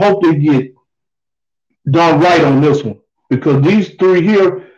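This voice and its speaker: At a fairly slow pace, a man talks in an unremarkable speaking voice, fairly high in pitch with ordinary pitch variation. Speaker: podcast co-host. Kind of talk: casual chat.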